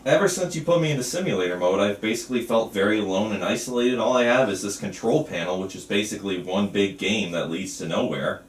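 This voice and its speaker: A man's voice: fairly low pitch, quick pace, few pauses, lightly acted. A man playing a lonely, frustrated and defiant patient in a film script table read. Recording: roomy, distant mic, faint room noise.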